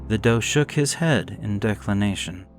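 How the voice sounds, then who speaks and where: A man narrating a gothic horror story in the first person, with somber, measured, suspenseful dramatic delivery. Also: fairly low pitch, lively intonation, soft background music.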